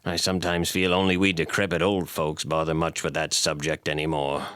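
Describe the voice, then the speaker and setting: A man playing a haunted, cryptic blind old ex-preacher in an audio drama, speaking deliberately and portentously in old-fashioned phrases. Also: a bass voice, little pitch movement, a bit bright, no room sound, studio quality. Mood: ominous storytelling. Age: older.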